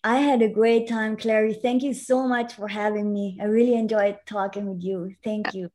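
Woman with a German first language, mellow voice. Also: medium pitch, steady tone, normal speed. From Italy. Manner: earnest, explanatory, with frequent restarts. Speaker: guest educator. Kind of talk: conversational interview.

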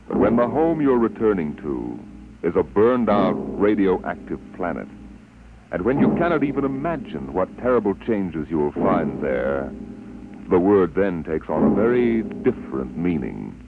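A man's voice: low-pitched, sing-song, unhurried, full character voice. A man playing a grave, theatrical science fiction anthology host in 1950s radio style. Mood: ominous, dramatic. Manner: portentous, theatrical. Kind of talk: dramatic 1950s radio narration. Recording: tinny, hissy vintage radio recording.

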